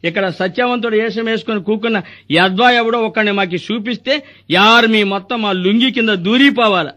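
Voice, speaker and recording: A man performing a comic hospital sketch, bossy and mocking in rapid back-and-forth banter. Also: sits high, bright, forceful tone. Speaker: comic actor playing a corrupt hospital doctor.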